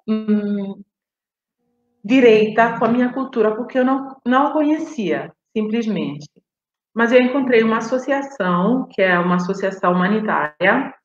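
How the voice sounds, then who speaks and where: A woman from Brazil who grew up in Italy, telling her personal story at an unhurried, reflective pace and pausing to search for words. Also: mid-range voice, roomy sound, muffled recording. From Brazil, raised in Italy. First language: Italian. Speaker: guest on a live stream. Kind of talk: personal storytelling on a video call.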